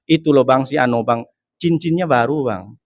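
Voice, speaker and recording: A man's voice: mid-range voice, moderate pace, dry recording, lo-fi sound, voice pushed down, natural voice. A male preacher voicing a chatty, complaining wife who nags her husband in a whiny voice. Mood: nagging. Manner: whiny, nagging, repeated "Bang".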